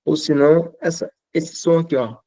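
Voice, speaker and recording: A man's voice: a little high, steady tone, moderate pace, mellow, no echo. A male teacher with a Brazilian accent, explaining classroom methods conversationally and repeating phrases for emphasis. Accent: Brazilian Portuguese. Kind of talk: teaching tips to fellow teachers.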